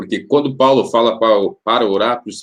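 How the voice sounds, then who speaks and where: A man speaks at a medium pitch. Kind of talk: news commentary. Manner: halting, self-correcting.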